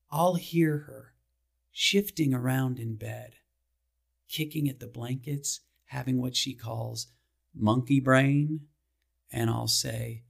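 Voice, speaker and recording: In an audio drama monologue, a man plays a defensive, brooding small-town husband. He speaks haltingly, posing rhetorical questions with emphatic swings. His voice is medium-pitched with vocal fry.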